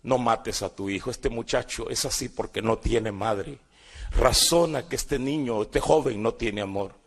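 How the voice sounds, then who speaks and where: A Guatemalan man voicing an elderly family servant who pleads softly with a father. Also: mid-range voice, unhurried, slightly rough, voice pushed down. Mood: pleading. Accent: Guatemalan Spanish.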